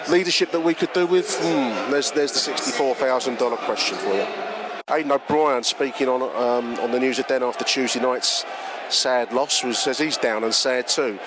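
A man's voice: mid-range voice, normal speed. A man, nasal from a cold, giving rambling, sardonic fan commentary on a match. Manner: rambling, sardonic, frequent ums. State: nasal with a cold and sore throat. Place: outside a football stadium. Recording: noisy outdoor stadium recording. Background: stadium and street noise.

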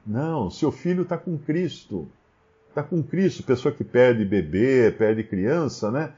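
A Brazilian Portuguese-accented man explains Scripture in a lively, swinging voice. He fires off rhetorical questions and keeps restarting his sentences. His tone is mellow, and the recording sounds a bit dull and lo-fi. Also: medium pitch, slow pace. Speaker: Bible commentator. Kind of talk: Bible study commentary.

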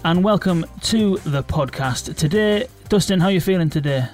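A man's voice: sits high, lively intonation, moderate pace, a little mellow, faint music behind. A British man hosting a podcast, chatty and playful as he welcomes his guests. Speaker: podcast host. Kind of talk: casual interview chat.

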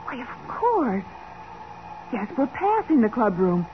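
Anxious radio sidekick, tinny sound. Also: female voice, on the high side, big pitch swings, slow. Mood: amazed. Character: anxious, curious young female detective's assistant. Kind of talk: 1940s radio crime drama acting. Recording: thin, noisy 1940s radio recording.

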